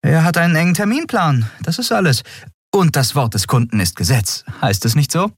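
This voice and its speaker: A man's voice: a little high, sing-song, breathy edge, no echo, clean studio sound, voice pushed up, full character voice. A man voicing a breezy young starship captain. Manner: brisk, breezy, covering nerves. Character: young woman starship captain, nervous but bluffing. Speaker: ship captain.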